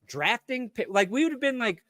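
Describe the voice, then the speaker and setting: A man's voice: extremely high pitch, sing-song, normal speed, fairly bright tone, no room sound, studio quality. A man co-hosting a casual sports talk show, ranting in a blunt, profane way.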